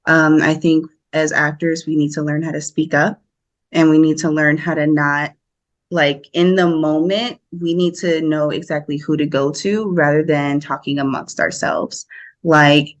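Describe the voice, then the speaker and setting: A woman's voice: sits low, flat delivery, measured pace, lo-fi sound. A young woman from the United States, an actor guesting on a podcast, talking casually and animatedly with frequent laughs and fillers. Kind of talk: casual interview chat.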